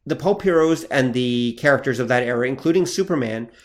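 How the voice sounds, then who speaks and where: A man's voice: mid-range voice, lively intonation, brisk. A man co-hosting a podcast, explaining at length in a casual, thoughtful way with plenty of fillers. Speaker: podcast co-host. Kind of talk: casual chat about comic history.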